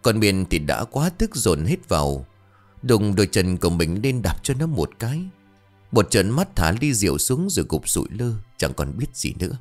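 Expressive low-voiced male storyteller. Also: normal speed, soft background music. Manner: expressive, swinging delivery. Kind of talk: dramatic ghost-story narration.

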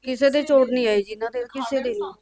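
A woman's voice: on the high side, quick pace, a crowd in the background. A woman answering a reporter's questions about her family, plain and polite. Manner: plain, polite, frequent respectful particles. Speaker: interviewee, younger sister-in-law. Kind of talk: news interview testimony.

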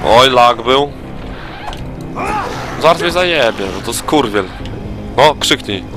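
A man's voice: medium pitch, lively intonation, slow pace, over music. A drunk man rambling and swearing as he comments on a zombie game he is playing. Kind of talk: profane let's play commentary.

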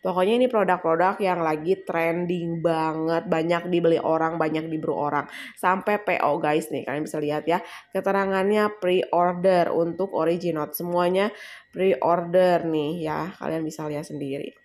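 A woman's voice: on the low side, steady tone, moderate pace, a little mellow. A young woman casually walking viewers through trending online shop products, chatty and addressing them as guys. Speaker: affiliate marketing vlogger. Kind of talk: casual screen-recording walkthrough.

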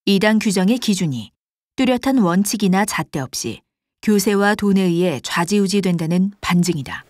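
A woman reading scripted documentary narration in a formal, measured manner. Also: medium pitch, animated, darkish tone, no room sound, clean studio sound, close to an everyday voice.

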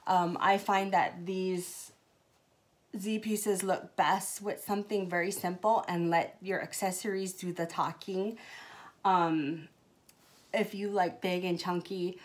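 A woman's voice: on the low side, slight background noise. A woman in her thirties from Hawaii, chatting through a live jewelry sales show with many ums, recorded on a phone in a small indoor room. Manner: chatty, many ums, upbeat product talk. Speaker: jewelry seller.

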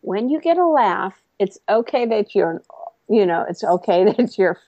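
A woman's voice: mid-range voice, expressive, dry recording. Jokey woman guest on a dull dry line. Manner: jokey, puts on quick comic voices. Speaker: comedy coach and author. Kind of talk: animated interview guest.

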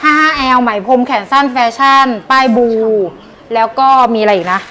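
Thai female live-stream seller, very high pitch, casual punchy promotion, recorded with faint noise behind. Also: moderate pace, sharp tone. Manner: short punchy sales phrases addressed to customers. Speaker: live-stream seller of secondhand clothing bales.

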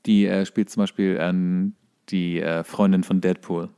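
A man's voice: deep voice, level tone, unhurried, warm tone, clear, resonant tone. A man, a podcast co-host, chatting casually about films and series. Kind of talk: casual film and series chat.

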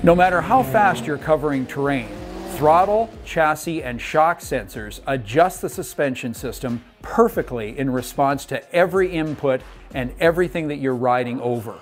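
A man's voice: fairly high pitch, animated, moderate pace, hardly any pauses, music in the background. Older man, upbeat product narration. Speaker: show host. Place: indoor studio set.

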